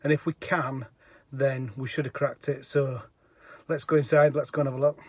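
A middle-aged plumber talking casually through a job step by step, with fillers. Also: male voice, mid-range voice, steady tone, normal speed, slightly rough, no room sound. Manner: chatty, explains step by step with fillers. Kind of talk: casual how-to vlog. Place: parked van, then a house bedroom.

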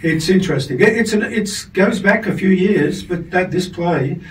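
An Australian man hosting a radio interview, asking relaxed prompting questions. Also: high-pitched, normal speed. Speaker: radio host. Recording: roomy, distant camera audio.

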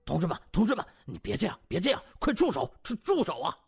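Guy doing a two-faced doctor, over-the-top fake concern, pitch jumping around, audiobook. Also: huge pitch swings, fast, creaky, breathy edge, full character voice. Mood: mock urgent. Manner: exaggerated, repetitive pleading. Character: sly male doctors feigning concern, gleefully two-faced.

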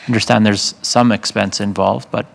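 A man with a low, gravelly voice asks a presenter polite, measured questions. He speaks as a councillor in a council chamber. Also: fairly even intonation. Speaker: city councillor.

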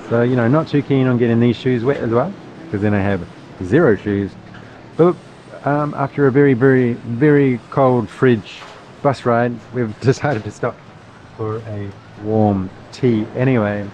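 A man's voice: medium pitch, a little slow. Chatty man vlogging on a noisy bus. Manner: rambling, chatty, filler-heavy. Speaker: travel vlogger. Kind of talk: casual vlog narration to camera. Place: on a bus, then an open-air roadside eatery in rain. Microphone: handheld camera at arm's length. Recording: muffled, with loud rain and traffic noise.

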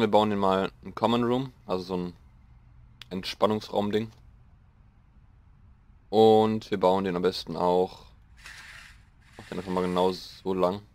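A young man with a slightly hoarse voice, rambling casually through gameplay commentary and mocking himself as he goes. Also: lowish voice. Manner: rambling, self-mocking, thinking aloud. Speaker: let's play host.

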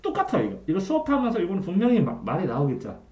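Male tutor, animated delivery, keeps checking the student understands. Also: high-pitched, rapid-fire, dull audio. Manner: trailing off quietly at the ends of phrases. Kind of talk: one-on-one Korean grammar tutoring. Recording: echoey room.

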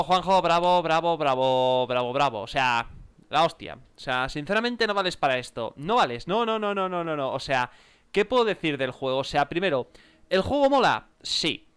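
Animated young Spaniard giving gameplay commentary. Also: male voice, a little high, moderate pace, clean tone. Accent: Spain Spanish. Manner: exclaims, self-mocking, improvises joking chatter with game characters. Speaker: gameplay video creator.

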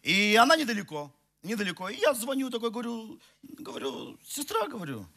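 His voice is very high, very animated, a bit fast and sharp. The man, a pastor in his forties, roams the stage gesturing as he preaches to a church hall audience over a headset mic, telling a humorous, self-deprecating story with plenty of restarts.

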